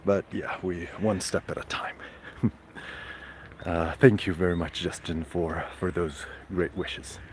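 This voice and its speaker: A man hosting a casual live stream, chatting with viewers in a halting way full of fillers and restarts. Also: low-pitched, fairly even intonation, a little hiss or hum. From Serbia.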